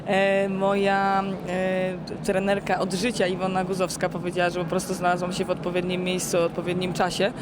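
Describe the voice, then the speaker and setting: A sleep-deprived woman athlete giving a casual interview, halting and searching for words. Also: on the low side, completely flat delivery, very noisy. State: sleep-deprived after three days awake. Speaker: endurance swimmer being interviewed. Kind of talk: casual post-challenge interview.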